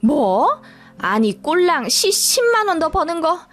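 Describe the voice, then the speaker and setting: A domineering older mother-in-law in a radio drama, as a woman acts her out, scolding and indignant in a raised, high voice. She talks with outrage, and faint music plays underneath. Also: sing-song, slow, a bit bright, full character voice.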